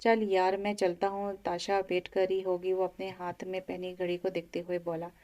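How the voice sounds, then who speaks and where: A woman voicing a brooding young husband in an audio novel, speaking in a soft, coaxing way. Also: on the low side, completely flat delivery, normal speed, close to an everyday voice. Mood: casual. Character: brooding young husband, tender with his grieving wife.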